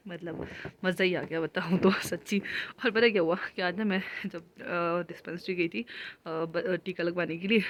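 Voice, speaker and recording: A young woman from Kinnaur in India, vlogging casually on a phone at home during heavy snowfall. She talks fast and nonstop and is a little out of breath from walking around. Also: lowish voice, dull audio. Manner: fast, nonstop chatty talk, slightly out of breath. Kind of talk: casual vlog talk to camera. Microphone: handheld phone.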